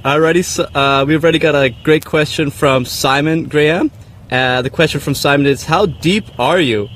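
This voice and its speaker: A man's voice: on the high side, moderate pace, fairly bright tone. Man over a distant dive radio link. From Cayman Islands. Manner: reads out viewer questions with hesitant fillers. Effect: voice heard over a dive radio link from the surface. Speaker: surface support relaying viewer questions. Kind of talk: live stream relay.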